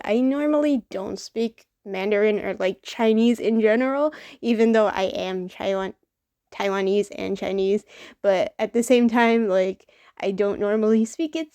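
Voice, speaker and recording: Her voice sits on the high side with a warm tone, captured in a dry recording. The young art vlogger talks loosely as she sketches, rambling through fillers and restarts as she corrects herself.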